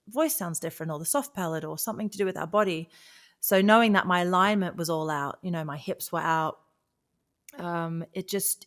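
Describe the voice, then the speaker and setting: Woman, slightly low voice, casual personal storytelling, animated and conversational, interview guest. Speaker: guest, singer and vocal coach.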